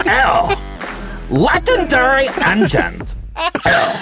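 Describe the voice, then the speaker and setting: A man voicing a young, gushing Valley girl in a high, affected voice, reading a parody commercial. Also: wildly swooping pitch, very slow, creaky, music in the background, exaggerated voice. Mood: ditzy, gushing.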